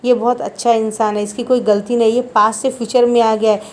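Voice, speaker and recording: Woman as a young big-sister type, insistent, bossy, mellow voice. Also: on the high side, flat delivery, quick pace, lightly acted.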